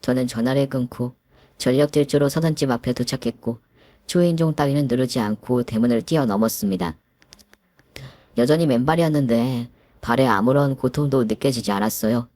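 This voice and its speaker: A woman's voice: extremely low pitch, dark tone, no echo. A woman narrating a scripted first-person story in a dramatic, fierce telling.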